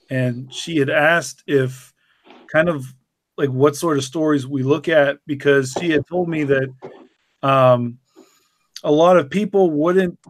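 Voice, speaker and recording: A man with a slightly high voice speaks casually as a podcast co-host. The sound is very dry and close, with no room on it. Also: no echo. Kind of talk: casual chat, recounting.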